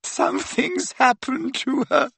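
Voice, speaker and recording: A distraught teenage girl, played by a male narrator in an audiobook story. The voice is pitched high and quavers with breathy sobs, tearful all the way through. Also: slow, a bit bright, no room sound, heavily acted. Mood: sobbing, shaken. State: crying.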